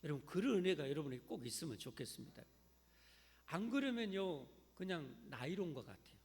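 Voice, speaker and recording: Male pastor, high lively delivery, gravelly edge, reverberant sanctuary. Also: brisk. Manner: animated preaching, often addressing the congregation directly. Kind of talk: sermon. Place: church sanctuary. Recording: echoey church hall.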